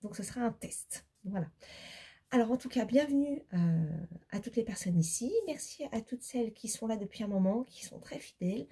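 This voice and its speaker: A woman's voice: on the high side, animated, normal speed, dark tone, husky. A middle-aged woman from France chatting casually to camera in a knitting vlog, rambling with many fillers, tired and still congested after laryngitis. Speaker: knitting vlogger.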